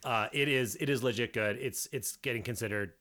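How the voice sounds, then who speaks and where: A man co-hosting a casual podcast in a bright, forward voice at an ordinary pitch. He is enthusiastic, laughs easily and keeps praising his co-host. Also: brisk.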